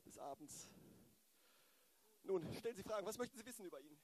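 Man acting a husky, fussy, evasive lawyer. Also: sits high, expressive, brisk, darkish tone. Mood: evasive, hesitant. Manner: hesitant, rambling, formal, tags sentences with "right?". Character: fussy, evasive male lawyer, mildly self-important. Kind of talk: improvised radio play acting.

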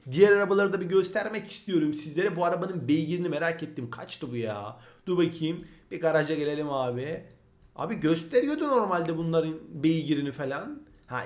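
A young man with a Turkish accent talks through a game as its host, chatty and easily excited, his voice sitting high for a man. The sound bounces around a roomy space with clear echo, and he keeps up a loose, casual flow as he plays. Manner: excitable, chatty, says "abi" a lot. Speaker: gaming channel host. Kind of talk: casual gameplay commentary.

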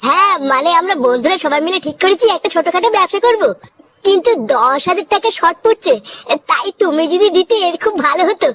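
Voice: extremely high pitch, lively intonation, fast, a bit bright, no echo. A voice actor playing a jobless young village man in a cartoon, hesitant and stammering. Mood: pleading. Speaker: cartoon character.

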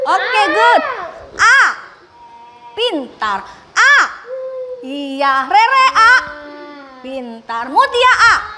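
Slow, high, bright-voiced woman teacher. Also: a little hiss or hum. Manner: slow, exaggerated enunciation with lots of praise. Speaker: special-needs schoolteacher. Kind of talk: radio lesson for children.

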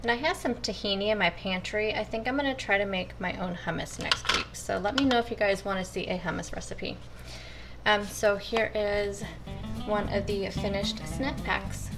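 A woman's voice: medium pitch, moderate pace, over music. A woman vlogger talking viewers through her meal prep in a casual, chatty way from her home kitchen. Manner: chatty, addresses viewers as you guys. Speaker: cooking vlogger. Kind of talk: casual step-by-step cooking talk.

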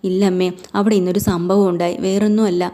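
A woman's voice: lowish voice, little pitch movement, fast talker, mellow, lightly acted. A woman voicing a timid young wife who pleads tearfully with her mother. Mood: pleading.

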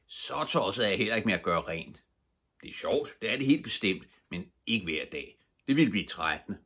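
An older man reading aloud, voicing a cheeky, fearless little girl in a lively, bold and playful way. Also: fairly low pitch, breathy edge, full character voice. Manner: lively, bold, full of fun.

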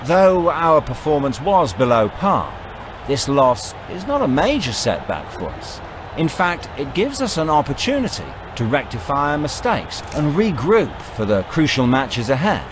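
An actor playing a determined, encouraging cricket team coach in a video game, speaking in emphatic, rehearsed lines. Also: male voice, a little high, big pitch swings, a little slow, noisy background. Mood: composed, confident. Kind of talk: scripted motivational speech and press answers. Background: music.

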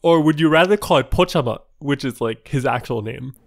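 A man hosting a podcast, chatting casually and answering questions with animated delivery. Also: medium pitch, a little fast, gravelly. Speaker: podcast host.

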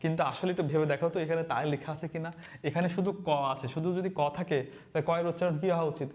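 A man teaching a lesson to students, repeating questions to them in an energetic way. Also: fairly high pitch, racing. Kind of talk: classroom lesson video.

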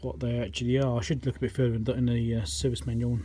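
A man's voice: mid-range voice, flat delivery, quick pace, mellow, slightly rough. A man giving casual commentary as he repairs electronics, thinking aloud as he works at a workbench. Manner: muttering, thinking aloud while working.

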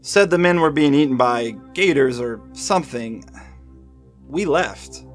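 An actor playing a weary, haunted senior FBI agent in an audio drama, speaking in a grave, halting, pleading way. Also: male voice, mid-range voice, expressive, faint music behind, lightly acted.

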